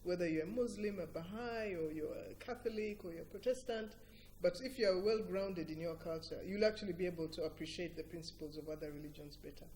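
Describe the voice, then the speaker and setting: A middle-aged woman with a Ugandan accent, speaking as an interview guest in an earnest, emphatic and deliberate explanatory way. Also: lowish voice, a little mellow, a little hiss or hum. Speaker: interview guest, cultural organisation director. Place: TV breakfast show interview.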